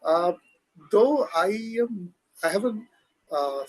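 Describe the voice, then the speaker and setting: A man in his thirties speaks English shaped by his Tamil mother tongue, and his voice sits a little high and husky. He talks hesitantly, with many fillers and restarts, while another voice chatters in the background. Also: animated, slow pace, poor audio. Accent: Tamil-influenced Indian English. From Tamil Nadu, India. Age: 30s. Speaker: club member giving a short speech. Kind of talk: impromptu speech. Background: another person talking in the background.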